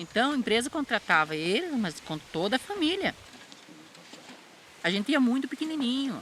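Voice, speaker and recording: Clearly audible background noise behind a woman whose pitch leaps across a very wide range. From Brazil, Paraná, Rio Azul. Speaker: pesticide-poisoned former tobacco farmer. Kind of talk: documentary interview testimony.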